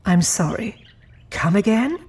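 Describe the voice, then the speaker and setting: A woman playing a genteel, imperious female demon in an audio drama, speaking formally with cool, measured politeness. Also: mid-range voice, lively intonation, a little mellow, breathy edge.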